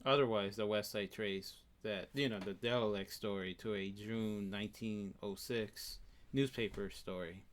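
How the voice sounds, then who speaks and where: A man's voice: lowish voice, fairly even intonation, unhurried. A man with a Spanish accent, a native Spanish speaker, co-hosting a casual podcast and chiming in with questions and asides. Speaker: podcast co-host.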